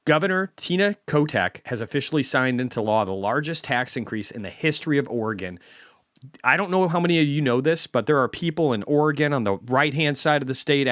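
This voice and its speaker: A man's voice: medium pitch, a bit bright, no room sound, studio quality. A man hosting a market commentary stream, ranting bluntly and swearing heavily.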